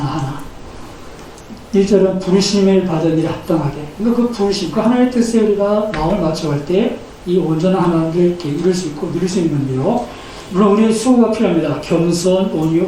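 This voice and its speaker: A high, mellow-toned man in his fifties preaches in a big, echoing church sanctuary. He sounds a little far from the microphone, with faint noise underneath. His delivery is earnest and builds to emphatic rises. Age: 50s. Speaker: pastor. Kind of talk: sermon. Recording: echoey church hall, mic at a distance, faint noise.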